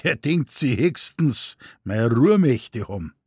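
A man reading aloud plays a gruff, laconic Munich husband in broad Bavarian dialect. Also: medium pitch, very animated, takes it slowly, a little mellow, no echo, studio quality, heavily acted.

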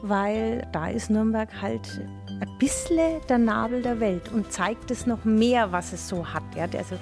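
A woman's voice: on the high side, a little slow, creaky, over music. A woman giving a casual, easygoing interview answer.

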